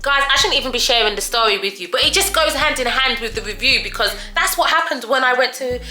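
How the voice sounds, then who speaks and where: Bright-voiced woman telling a story. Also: on the high side, expressive, quick pace, echoey room, faint music behind. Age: older than her friends, adult. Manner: chatty, dramatic, addresses viewers as guys and darling. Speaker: vlogger reviewing a restaurant. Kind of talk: casual storytelling to camera.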